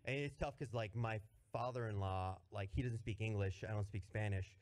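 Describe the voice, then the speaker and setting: A man in casual podcast chat, telling a story in a halting, self-deprecating way and laughing at himself. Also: lowish voice, steady tone, darkish tone.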